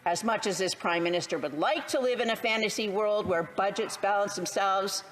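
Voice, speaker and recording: A Canadian woman, an opposition politician, delivers a prepared parliamentary speech with deliberate, sarcastic phrasing. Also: medium pitch, slight background noise. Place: legislative chamber.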